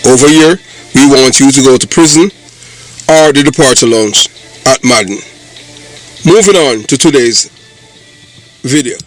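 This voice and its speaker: A man's voice: medium pitch, unhurried, pauses often, faint music behind. Jamaican man hosting a commentary channel. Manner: combative, sarcastic. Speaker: channel host. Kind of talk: commentary monologue.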